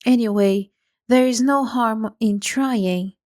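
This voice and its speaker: A woman voicing a polite, curious young girl in a storybook, speaking gently and earnestly. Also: on the high side, takes it slowly.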